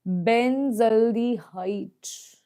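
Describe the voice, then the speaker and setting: A woman's voice: fairly high pitch, very slow, dark tone. A woman with a South Asian accent teaching an exam problem lesson step by step, often checking that students follow with short questions. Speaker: chemistry teacher.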